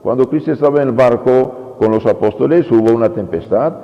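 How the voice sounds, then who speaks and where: A man preaching a sermon as a priest, with lively delivery that acts out quoted pleas. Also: medium pitch, brisk. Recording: lo-fi recording with long church reverb.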